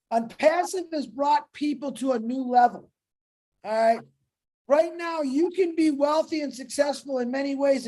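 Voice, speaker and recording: A man's voice: very high-pitched, darkish tone. A man speaking from home on an online chat, giving a fervent, emphatic motivational talk. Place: home, dog barking outside.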